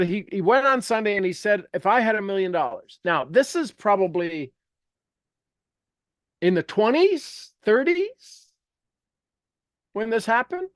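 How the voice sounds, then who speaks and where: A man's voice: high voice, a bit bright, no echo, clean studio sound. A man giving an informal, emphatic motivational lesson, reading aloud and breaking off into rambling asides, often repeating phrases for effect. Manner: rambling, self-interrupting. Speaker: motivational teacher reading and commenting on a self-help book. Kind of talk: informal live teaching with read-aloud passages and asides.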